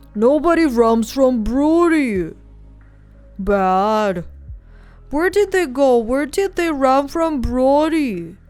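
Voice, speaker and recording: Using a put-on character voice, a woman speaks very slowly with long, frequent pauses as faint music plays in the background. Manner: menacing, threatening.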